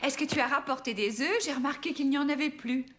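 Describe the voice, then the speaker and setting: A woman voicing a kindly, attentive grandmother in a children's cartoon, gentle, encouraging and expressive. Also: high voice, fast talker, noisy background, lightly acted. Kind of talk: dubbed children's cartoon dialogue.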